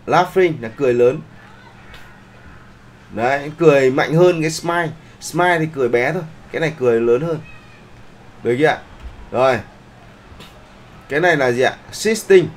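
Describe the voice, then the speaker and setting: A man's voice: a little high, a little hiss or hum. A man teaching a live online class, often checking that the students follow along. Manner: keeps checking in with the class, polite particles. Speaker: online art instructor.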